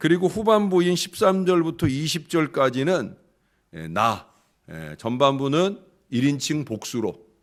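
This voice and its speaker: The man speaks at a very slow pace. His voice is fairly high. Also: very clean recording, silent background. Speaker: pastor. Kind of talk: sermon. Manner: hesitant with many filler sounds.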